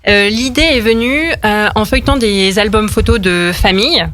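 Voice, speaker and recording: A woman's voice: medium pitch, normal speed, a bit bright, no echo, faint music behind. A woman giving a conversational personal account as a guest on a radio talk.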